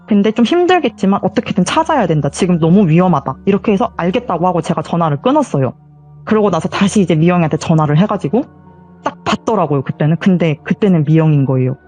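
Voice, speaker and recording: A woman's voice: fairly low pitch, animated, quick pace, warm tone, soft background music. A woman recounting a true ghost story in an interview, emotional and vivid, acting out the quoted lines. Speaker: guest sharing a viewer's story.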